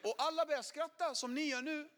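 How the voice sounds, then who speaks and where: A middle-aged man telling his conversion story as a sermon testimony, animated, acting out quotes and swinging from loud to hushed. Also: very high-pitched.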